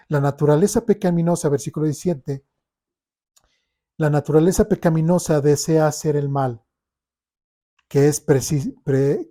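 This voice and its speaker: A man's voice: medium pitch, mellow, husky. A man with a Mexican accent preaching a sermon as a pastor in church, emphatic, often checking in with his listeners. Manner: emphatic preaching with frequent rhetorical check-ins.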